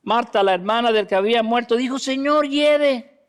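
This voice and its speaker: Man, pastor, dramatic sermon, very high voice, smooth clear tone, acts out the scripture voices. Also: steady tone, quick pace. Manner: dramatic, moves between loud emphasis and hushed lines; acts out the voices of the people in the text.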